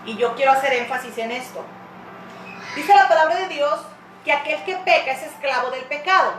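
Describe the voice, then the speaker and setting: High-voiced woman pastor preaching. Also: moderate pace, a bit bright, reverberant, a little hiss or hum, low-quality recording. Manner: impassioned preaching, acting out tearful prayers. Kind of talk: sermon.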